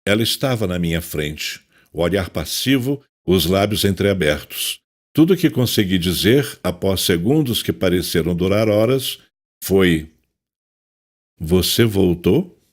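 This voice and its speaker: A man's voice: low voice, expressive, unhurried. An actor with a Brazilian accent playing a tormented, self-loathing psychiatrist in an audio drama, anguished and theatrical as he confesses. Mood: stunned.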